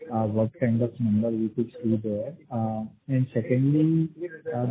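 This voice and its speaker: A man with an Indian accent asking questions as an analyst on a business conference call, speaking in a hesitant, halting way. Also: mid-range voice. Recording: tinny narrowband phone line.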